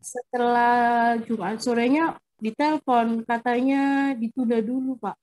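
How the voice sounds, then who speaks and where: A woman's voice: fairly high pitch, fairly even intonation, measured pace, darkish tone, rough recording. A woman on a video call politely recounting a job application to her coach in short replies. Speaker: coaching client, job seeker. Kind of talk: casual conversation.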